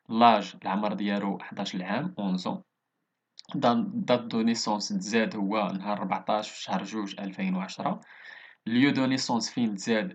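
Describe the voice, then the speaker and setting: A man with a Moroccan accent, a teacher explaining a French worksheet, dictating slowly and adding quick asides in Moroccan Arabic. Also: medium pitch, breathy edge. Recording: dull lo-fi recording.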